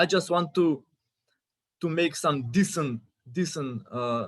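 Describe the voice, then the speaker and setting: A man with a non-native accent talks at a very slow pace. His intonation is lively. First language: not English. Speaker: startup founder pitching. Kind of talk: pitch Q&A with jury. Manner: halting.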